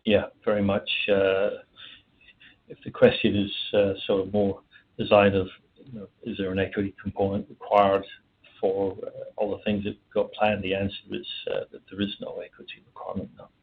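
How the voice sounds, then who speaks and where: A man, a company executive, answering analysts' questions on an earnings call, halting with many fillers and restarts. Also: fairly low pitch, completely flat delivery, slightly rough. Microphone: phone. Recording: tinny phone line.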